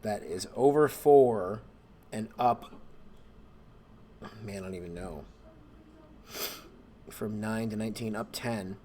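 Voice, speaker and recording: A man, a math teacher, relaxed and thinking aloud as he walks through homework problems and corrects himself along the way. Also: on the low side, slow pace, long pauses. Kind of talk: homework walkthrough screencast.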